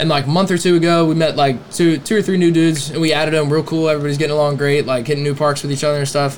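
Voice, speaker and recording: Over noticeable background noise, a man rattles along at a very fast pace with hardly any pauses, his pitch fairly high and his intonation fairly even. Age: 20s. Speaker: skateboarder. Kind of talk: casual chat.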